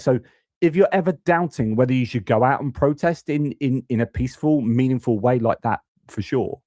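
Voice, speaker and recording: A man's voice: lowish voice, mellow, no room sound. A young British man hosting a live news stream, talking casually and ranting about politics, often restarting his sentences. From United Kingdom. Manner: ranting, frequent restarts and stammered repeats.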